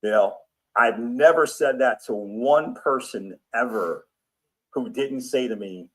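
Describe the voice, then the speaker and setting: A man talks straight to his audience in a loose, rambling pep-talk style, repeating himself and circling back. He acts out both sides of everyday conversations, his voice jumping higher and louder for the quoted lines. His voice sits at an ordinary middle pitch. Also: slow pace, rough recording. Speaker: crypto promoter. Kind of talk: casual storytelling pep talk.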